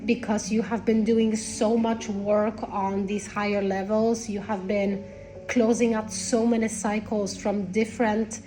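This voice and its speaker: A woman with a congested, nasal voice giving unscripted spiritual talk to followers in a halting, rambling way. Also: mid-range voice, level tone, over music, poor audio. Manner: halting, rambling, repeats phrases. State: congested with a cold. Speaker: spiritual content creator.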